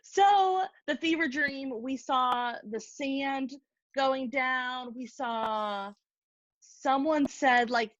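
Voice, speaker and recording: A chatty, giggly woman co-hosting a podcast, with a voice pitched a little high. Her sound is dull and lo-fi, recorded in a dry, deadened space. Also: drawn-out words, no room sound. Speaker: podcast co-host. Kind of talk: casual chat.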